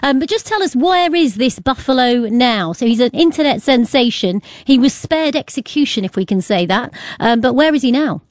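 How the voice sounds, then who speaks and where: A woman presenting live radio news from a broadcast studio, reading headlines and chatting with a correspondent in a measured, crisp newsreader manner. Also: high-pitched, lively intonation, dry recording. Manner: crisp measured newsreader delivery with light laughter in chat. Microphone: studio microphone.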